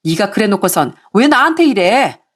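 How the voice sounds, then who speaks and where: A woman's voice: mid-range voice, very animated, moderate pace. A woman voicing a flustered, cheating husband who pleads and dodges.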